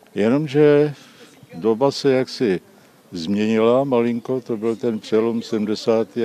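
Against noticeable background noise, a man with a medium pitch speaks at a very slow pace with ordinary pitch variation. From Czechia, Prague. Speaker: retired teacher and amateur theatre director. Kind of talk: casual interview.

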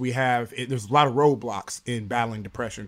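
A man with an American accent, a normal speaking voice, medium pitch and fairly even intonation. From Houston, Texas. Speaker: comedy writer and researcher. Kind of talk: casual chat.

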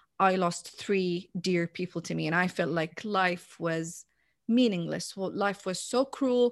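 Against a quiet background, a woman speaks at a very slow pace. Her medium pitch shows ordinary variation. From Jordan / Palestine. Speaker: business coach. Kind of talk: casual interview. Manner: hesitant, many fillers.

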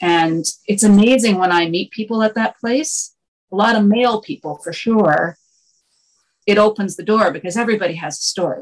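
A woman with a normal speaking voice, ordinary pitch variation and a moderate pace. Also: medium pitch for a woman. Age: 60s. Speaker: mentor to women, former career professional. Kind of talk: interview.

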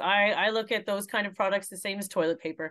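Against a quiet background, a woman with a Canadian accent talks with ordinary pitch variation. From Toronto, Ontario (Scarborough). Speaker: town councillor. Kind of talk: interview. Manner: hesitant, repeats words.

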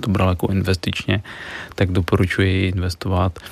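Noticeable background noise sits behind a man whose very deep, low pitch stays monotone and flat in intonation. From western Bohemia, Czechia. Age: 30s. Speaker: entrepreneur and organic farmer. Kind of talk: radio interview.

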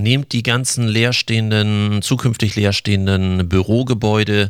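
A man speaks with fairly even intonation. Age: 50s. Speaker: management consultant and podcast host. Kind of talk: casual chat.

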